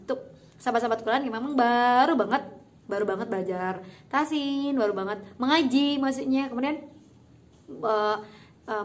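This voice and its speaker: A young woman teaching beginners to recite the Quran melodically, chatting in asides and then chanting verses slowly. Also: a little high.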